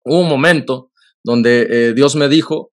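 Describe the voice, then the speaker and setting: A man, hosting a Christian talk and telling a personal testimony in an earnest, emotional way. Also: medium pitch. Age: 30s. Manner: earnest, emotional storytelling with quick bursts. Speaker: podcast host. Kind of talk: Christian testimony in casual conversation.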